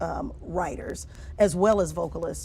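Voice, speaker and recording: A woman at a moderate pace against noticeable background noise. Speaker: singer. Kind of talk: interview.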